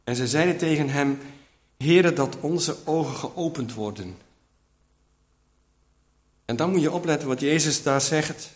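A man's voice: a little high, unhurried, pauses often. A man teaching from the Bible in a conversational way, often checking in with his listeners. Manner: chatty, keeps checking in with listeners. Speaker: preacher.

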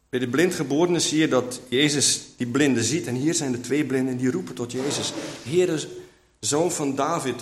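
A man's voice: fairly high pitch, slight background noise. A man teaching from the Bible in a conversational way, often checking in with his listeners. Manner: chatty, keeps checking in with listeners. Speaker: preacher.

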